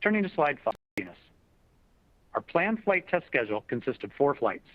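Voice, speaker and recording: A man speaking as a chief executive, giving a prepared earnings presentation in a formal, measured corporate style. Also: fairly high pitch, big pitch swings, dry recording. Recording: dull, dry conference call audio.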